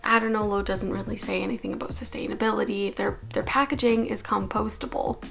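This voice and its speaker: A woman's voice: medium pitch, fairly even intonation, fairly quick, gravelly, a bit bright. A young woman from Canada, vlogging casually at home with lots of "like" fillers. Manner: chatty, filler-heavy with many "like"s. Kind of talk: casual day-in-the-life vlog.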